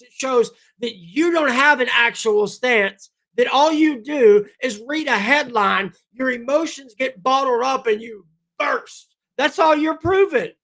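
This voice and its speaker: Man host, high and bright, blunt and combative, voice wearing out. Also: rough recording. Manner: blunt, combative, talks straight to chat. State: losing his voice, clears throat. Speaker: livestream host. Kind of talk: political commentary livestream.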